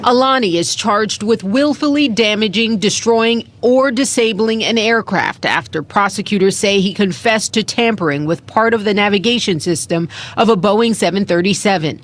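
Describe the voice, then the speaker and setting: An American-accented woman reads a scripted news report as a correspondent. Her pitch is average, with faint ambient vehicle noise behind her. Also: moderate pace, few pauses.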